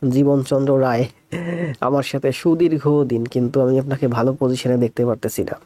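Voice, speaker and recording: Soft-spoken man teaching live with a cold. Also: mid-range voice, level tone, dry recording. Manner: speaks slowly and softly to save energy. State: has a cold. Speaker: math teacher. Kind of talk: live online class, greeting viewers.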